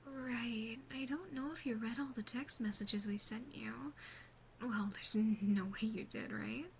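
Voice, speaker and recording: A woman voicing an obsessive, doting demon sister in an ASMR roleplay, speaking softly and close with breathy whispering. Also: on the high side, unhurried, slight background noise. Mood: gently reassuring. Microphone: close binaural microphone.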